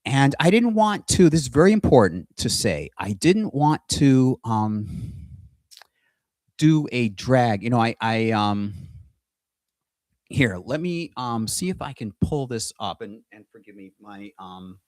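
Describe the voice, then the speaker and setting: A middle-aged man talking to camera in a casual monologue, halting often with restarts and pauses while he shares his screen. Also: medium pitch, big pitch swings, darkish tone, dry recording. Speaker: aspiring singer and video host. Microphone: computer mic with screen sharing.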